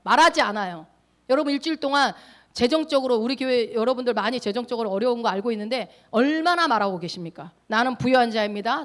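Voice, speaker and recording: A woman's voice: a little high, fairly bright tone. A woman pastor preaching a sermon, emphatic, often putting questions to the congregation.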